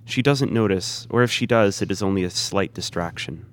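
A man's voice: low voice, normal speed. A man reading stage directions as a plain, descriptive narrator at a live play reading.

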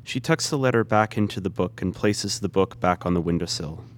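A man's voice: low voice, brisk. A man reading stage directions as a plain, descriptive narrator at a live play reading.

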